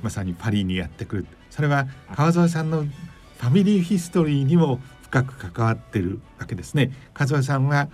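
A man hosting a radio interview, asking long questions in a measured, halting way with frequent fillers. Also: medium pitch, sing-song, a little mellow, soft background music. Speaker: radio show host and journalist.

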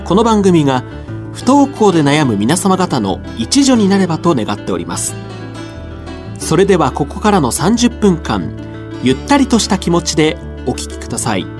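A man hosting a radio program as its announcer, reading a polite, measured script in a studio. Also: on the high side, wildly swooping pitch, music in the background. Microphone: studio microphone.

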